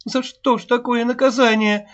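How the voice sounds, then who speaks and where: A woman's voice: fairly low pitch, animated, slow pace, voice pushed up. A man voicing a distraught peasant mother who is sick and bitter, pleading and wailing. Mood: sobbing. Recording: dull lo-fi recording.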